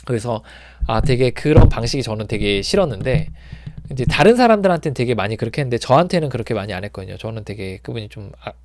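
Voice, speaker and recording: A man giving a loose, rambling talk on addiction recovery, his voice gravelly with a lot of fry. He sits at a middle pitch and speaks close to the mic in a dry, dead-sounding room. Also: animated, quick pace, no echo. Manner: rambling, many filler words and restarts; acts out shouting people when retelling. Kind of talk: informal talk to viewers.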